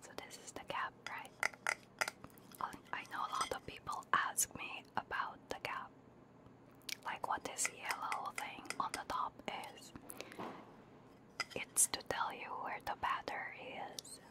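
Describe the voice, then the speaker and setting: A woman streaming ASMR, chatting casually in a soft, hushed, breathy whisper close to a binaural microphone while sick with a cold. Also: unhurried, pauses often. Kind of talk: ASMR, casual livestream chat. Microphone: close binaural ear microphone.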